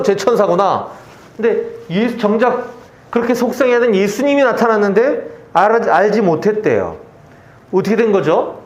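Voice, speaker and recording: A pastor giving a chatty expository sermon at a church service, explaining a scripture passage and asking his listeners questions. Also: high-pitched. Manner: conversational, asks the audience questions. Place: church service at a military base. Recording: echoey room, dull lo-fi sound.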